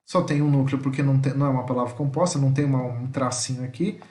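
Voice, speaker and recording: A man's voice: mid-range voice, fairly even intonation, a little mellow. Patient man teaching in an echoey room. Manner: patient, repeats "tá?" after each point, sounds out words slowly. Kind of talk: online language lesson.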